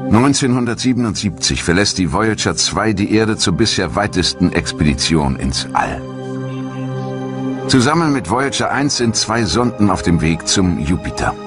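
A man giving calm, measured, scripted narration for a science documentary. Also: on the low side. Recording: studio narration over loud music.

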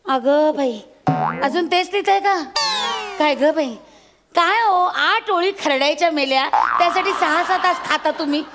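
A woman's voice: high-pitched, huge pitch swings, measured pace, exaggerated voice. A woman playing a chatty wife who teases her husband in a comedy sketch, cheeky and mocking. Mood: teasing. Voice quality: cheeky, teasing. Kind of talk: stage comedy sketch acting. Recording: comedy-show background music.

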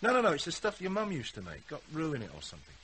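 An actor playing an amiable, easygoing man helping a troubled household, casual and gently teasing, in a naturalistic radio drama. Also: fairly high pitch, wildly swooping pitch, rapid-fire. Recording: hissy radio drama recording.

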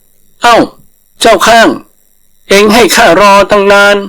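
A man's voice: high-pitched, flat delivery, a little slow, bright, forceful tone, clear, resonant tone, pitched above the performer's own voice, low-quality recording. A man voicing a sly little rabbit in a folktale, bluffing with brash swagger. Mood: mock scolding.

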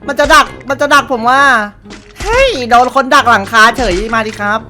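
A young man giving excited gameplay commentary, taunting opponents and repeating short calls over and over. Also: extremely high pitch, normal speed, faint music behind. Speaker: gamer streamer.

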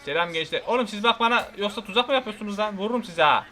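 A man giving casual let's play commentary, excitable and swearing casually as he yells at the game and reads on-screen text aloud. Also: high voice, racing, faint music behind. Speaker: gamer.

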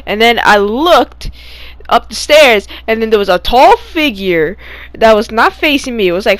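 Young female storyteller, higher-pitched, dry recording, recounts dreams in a puzzled, halting, casual manner. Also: dry recording. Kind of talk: casual story time over gameplay.

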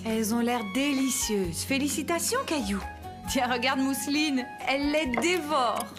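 A woman playing an affectionate, encouraging mother in a children's cartoon, cheerful and gently playful. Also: high voice, moderate pace, natural voice. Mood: proud. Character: affectionate, encouraging young mother of a small boy. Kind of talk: children's cartoon dub acting. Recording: music behind the voice.

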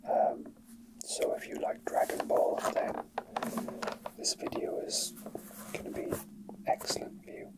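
A man whispering softly and breathily in a casual, hesitant ASMR style, chatting and reading aloud without hurry. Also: low-quality recording. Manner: slow, hesitant, unhurried. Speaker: ASMR video creator. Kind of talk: whispered ASMR, casual chat with read-out facts.

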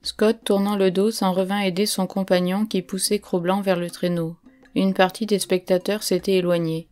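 A woman narrating an audiobook of a novel in a steady storytelling voice. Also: mid-range voice, moderate pace.

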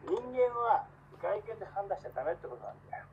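A man's voice: high voice, very animated, racing, dull audio. A man appearing as a guest in a casual live-stream chat, earnestly giving preachy life advice.

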